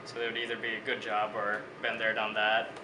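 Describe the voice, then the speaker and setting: A man's voice: on the low side, fairly quick. A man in his twenties from Bangladesh, a biology student giving thoughtful, articulate interview answers. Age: 20s. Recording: echoey room with steady air-conditioning hum.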